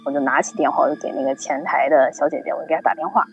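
A woman telling a story in casual chat, lively and acting out the people she quotes. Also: low-pitched, racing, faint music behind. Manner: animated storytelling, acts out quoted voices. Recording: dull lo-fi recording.

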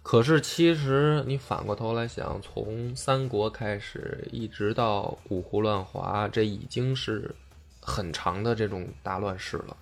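A man hosting a casual history podcast, explaining deliberately and often rephrasing himself. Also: lowish voice, gravelly. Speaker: podcast host.

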